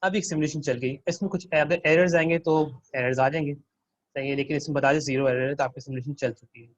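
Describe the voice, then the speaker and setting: A man's voice: fairly high pitch, fairly even intonation, fast, dry recording, highs cut off. A man working as a teaching assistant, walking students through a circuit simulation and quizzing them with questions.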